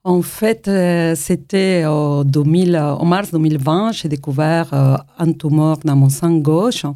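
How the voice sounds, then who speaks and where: A woman's voice: low voice, warm tone, dry recording, clean studio sound. A middle-aged woman with an Argentine Spanish accent, a Spanish native speaker, telling her story as a guest, hesitant with many fillers. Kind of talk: personal testimony interview.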